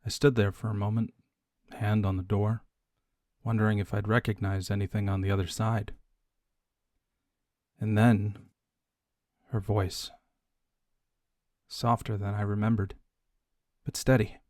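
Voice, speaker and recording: A man reading scripted audiobook narration in a measured, hushed way with deliberate dramatic pauses. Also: on the low side, flat delivery, no echo, studio quality.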